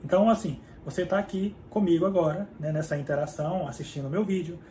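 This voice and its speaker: A man's voice: fairly high pitch, quick pace, mellow. A man with a Brazilian Portuguese accent hosting a casual book summary, explaining in a conversational way and often checking in with the listener. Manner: conversational, keeps checking in with "tá?" and "certo?". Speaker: book summary channel host. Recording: echoey room with faint background hum.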